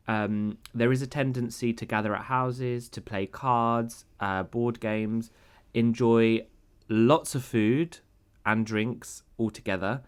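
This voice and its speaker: Young guy cohosting a podcast, mid-pitched voice, friendly and a bit rambly. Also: smooth. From Greece. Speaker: podcast co-host. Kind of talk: casual podcast chat.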